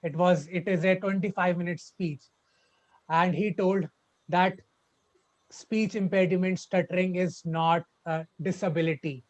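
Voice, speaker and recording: A young man telling his personal story as a club speech, halting and repeating words with a stutter. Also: sits high. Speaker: club speaker. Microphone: video call. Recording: dull lo-fi online call audio.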